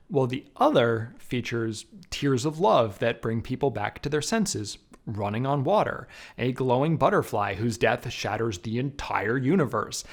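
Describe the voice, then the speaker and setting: A man narrating a scripted film review in an emphatic, wry way with casual asides. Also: mid-range voice. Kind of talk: scripted video essay narration.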